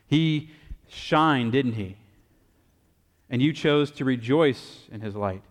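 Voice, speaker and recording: A man's voice: mid-range voice, slow pace, long reverb tail. A man preaching a sermon as pastor, earnest and pleading, repeating phrases for emphasis.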